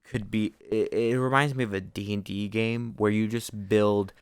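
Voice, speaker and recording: An enthusiastic young man co-hosting a podcast, jumping in eagerly to add his own thoughts. His voice sits low and sounds smooth, recorded dry and close to the mic. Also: fairly even intonation, moderate pace, no room sound. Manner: enthusiastic, chimes in often. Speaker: podcast co-host. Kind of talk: casual chat.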